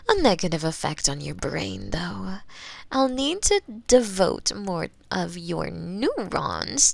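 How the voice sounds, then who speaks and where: A woman's voice: medium pitch, vocal fry, a bit bright, no echo, full character voice. A woman voicing a gloating, coldly sadistic female mad scientist in an ASMR roleplay, savoring her words close to a binaural microphone. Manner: theatrical, savoring, gloating, lapsing into whispers and giggles. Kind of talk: ASMR roleplay, theatrical monologue to the listener.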